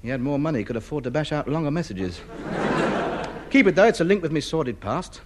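A man's voice: on the high side, expressive, brisk, a little hiss or hum, natural voice. An actor playing a vain, self-important man who clings to faded grandeur, in a 1950s radio sitcom. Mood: bantering. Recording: old radio broadcast.

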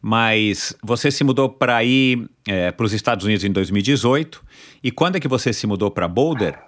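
Male podcast host and interviewer, São Paulo Brazilian accent, on the lower side in pitch. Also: lively intonation, normal speed, fairly bright tone. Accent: Brazilian Portuguese, São Paulo.

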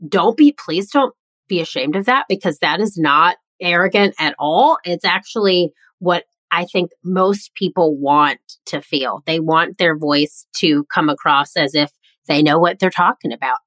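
A woman's voice: lowish voice, a bit bright, no room sound. A woman hosting a podcast, asking questions and reacting in an enthusiastic, encouraging way. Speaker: podcast host. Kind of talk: podcast interview.

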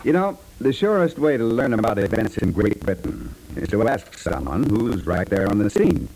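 A man's voice: on the low side, big pitch swings, normal speed, gravelly, darkish tone, a little hiss or hum, rough recording. A man reading a scripted 1950s radio promo as a network announcer, formal and carefully enunciated.

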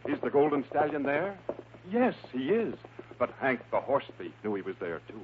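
A man's voice: medium pitch, very animated, moderate pace. A man narrating an old radio adventure serial in a suspenseful, theatrical style. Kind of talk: dramatic scripted narration, 1950s radio adventure. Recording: noisy, tinny old radio recording.

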